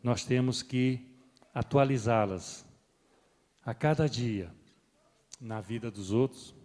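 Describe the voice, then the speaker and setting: A middle-aged man preaching a sermon as pastor, swelling loud on key points and then dropping soft. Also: mid-range voice, slow pace. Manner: rises and swells with emphasis, then drops soft. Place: church hall. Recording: long reverb of a church hall.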